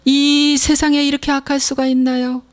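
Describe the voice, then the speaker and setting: A middle-aged woman pastor preaches a sermon in a high-sitting voice with flat delivery at normal speed. She is emphatic, repeats her phrases, and acts out inner voices.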